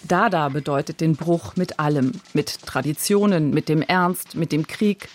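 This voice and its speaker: Low-voiced woman narrating a radio feature. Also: measured pace, background noise. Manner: crisp, clipped storytelling.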